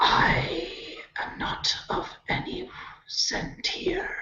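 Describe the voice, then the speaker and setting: A put-on character voice, whispered and hoarse. It moves at a very slow pace with a slight echo. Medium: actual play.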